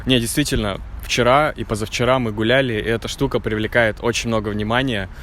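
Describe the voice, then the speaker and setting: A man's voice: mid-range voice, steady tone, fast talker, a bit bright, a little hiss or hum. A man hosting a casual outdoor chat, speaking fluently and explaining things to viewers. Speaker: host. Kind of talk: casual conversational video.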